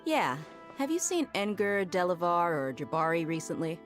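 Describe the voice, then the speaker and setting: An actress playing a confident, easygoing desert mercenary in a video game, speaking in a casual, streetwise manner. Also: female voice, on the low side, big pitch swings, moderate pace, faint music behind.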